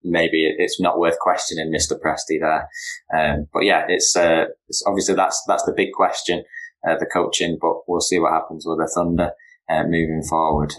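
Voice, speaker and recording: A man from the UK hosting a casual podcast, asking questions in a relaxed, friendly way. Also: a bass voice, normal speed, low-quality recording. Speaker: podcast host.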